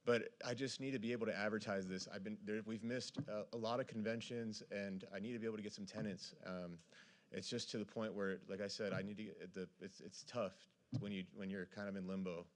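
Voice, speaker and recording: Male applicant, fairly low voice, halting unscripted appeal at a public meeting. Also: fairly even intonation. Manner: halting, repeats words.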